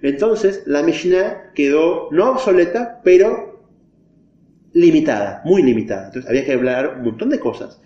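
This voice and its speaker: Animated and a little high-pitched, this religion teacher speaks at a moderate pace with a dark tone. He explains his class lesson in steps and quizzes the students, heard through an echoey, dull, lo-fi room recording.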